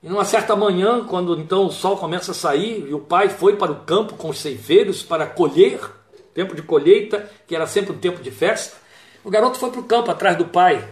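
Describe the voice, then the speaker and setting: A man's voice: high-pitched, a little fast, roomy sound. A man preaching a sermon, retelling a Bible story with quoted dialogue and reflective asides.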